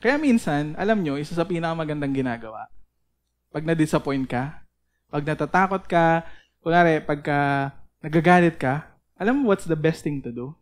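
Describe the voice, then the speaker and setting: A man's voice: a little high, expressive, moderate pace. A young man preaching to a youth group in a playful, joking way, often laughing and acting out little self-talk scenes. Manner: playful and joking, laughing often, talking to himself in mock dialogue. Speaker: youth speaker.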